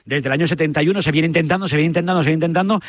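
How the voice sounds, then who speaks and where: A man's voice: a little high, very fast, dry recording. A man from Spain hosting a radio sports interview, chatty and emphatic.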